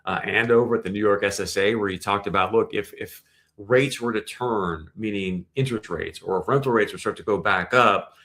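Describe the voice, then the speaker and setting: A man's voice: lowish voice, fairly quick, bright, forceful tone. A man hosting a show, giving conversational, explanatory industry commentary with emphasis. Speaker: show host.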